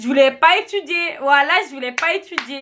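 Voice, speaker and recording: An animated tone from a woman with very wide pitch swings, over noticeable background noise. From Belgium. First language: Dutch (speaking French). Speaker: vlogger. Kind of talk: casual vlog storytelling. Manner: fast.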